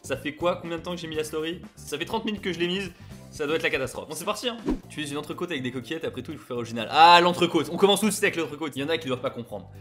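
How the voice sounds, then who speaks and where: Quick, high-voiced young man vlogging. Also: soft background music. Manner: animated, swings into loud mock outrage. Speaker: YouTuber. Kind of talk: casual vlog chat reading messages.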